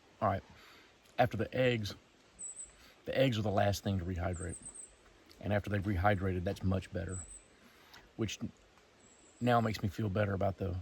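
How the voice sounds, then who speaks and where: In a Southern US accent, a man speaks at a fairly quick pace with long, frequent pauses, his tone relaxed, somewhat breathy and fairly even in intonation. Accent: Southern US accent, smooth. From US South. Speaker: hiker vlogger. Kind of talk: casual vlog monologue. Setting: outdoors, camping in wilderness. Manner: relaxed with fillers.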